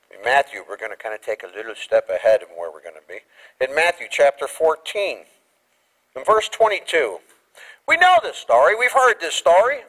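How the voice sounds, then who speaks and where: A male pastor preaching a sermon, going from quiet talk to raised emphasis and acting out quoted lines. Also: a little high, rough recording. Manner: animated preaching that swings from quiet to raised and loud; acts out quoted lines in little voices. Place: church sanctuary.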